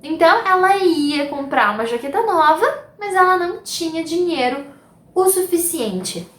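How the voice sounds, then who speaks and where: A woman's voice: very high voice, expressive, moderate pace, fairly bright tone, reverberant. A Brazilian woman teaching an English grammar lesson, explaining patiently step by step. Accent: Brazilian Portuguese.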